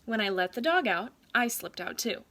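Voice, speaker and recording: A woman reading a children's story aloud like a teacher, with deliberate, dramatic phrasing for young listeners. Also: fairly high pitch, lively intonation, sharp tone.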